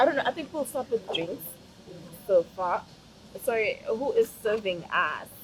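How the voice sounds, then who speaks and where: Over music in the background, a woman talks at a fairly slow pace with very wide pitch swings and long, frequent pauses. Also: fairly high pitch for a woman. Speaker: talk show host. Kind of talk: casual interview. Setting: restaurant.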